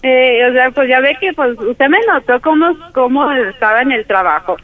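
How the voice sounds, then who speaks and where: A woman's voice: high voice, normal speed. A woman, rambling shyly with many fillers on the phone. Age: 40s. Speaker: caller on the phone. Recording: tinny phone line.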